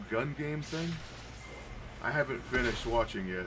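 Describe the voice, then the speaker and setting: Lively in intonation, a man talks at a moderate pace. Room echo is audible and background noise is noticeable. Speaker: game streamer. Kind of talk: live gaming stream chat. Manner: casual, hesitant with fillers.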